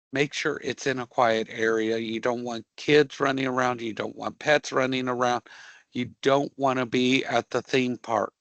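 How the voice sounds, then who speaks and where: A man teaching a live career prep class, emphatic and joking, often checking in with a quick "okay?". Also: mid-range voice, fairly bright tone, no echo.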